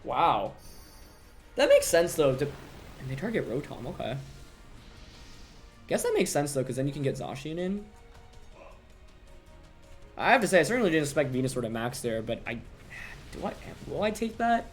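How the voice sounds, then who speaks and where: A young man gives live commentary on his own competitive match, thinking aloud and questioning each move at a moderate pace with frequent pauses. His pitch jumps around lively, and quiet background music plays beneath his desk-mic audio.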